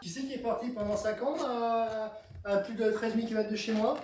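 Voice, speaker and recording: An older man, the vlogger's father, speaking haltingly with many fillers and restarts. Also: sits high, fairly even intonation, darkish tone. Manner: hesitant, halting English with fillers. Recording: roomy, distant, faint noise.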